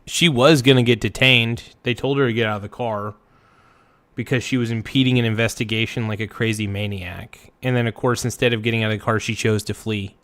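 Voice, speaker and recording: A man hosting a casual livestream reaction, his voice worn hoarse, rambling and loudly thanking donors. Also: mid-range voice, steady tone, fairly quick, no echo. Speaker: livestream host.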